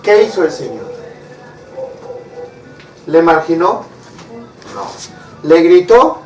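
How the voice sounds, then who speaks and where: A man's voice: a little high, sing-song, extremely slow, faint music behind. A man preaching a sermon, asking his listeners rhetorical questions and acting out short quoted lines. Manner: asks the congregation rhetorical questions. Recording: echoey room, mic far off.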